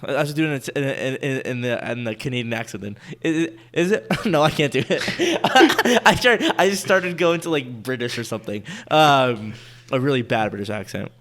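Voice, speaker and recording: A man's voice: mid-range voice, animated, moderate pace, a bit bright. Rambling man thinking aloud. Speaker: podcast co-host. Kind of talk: casual chat.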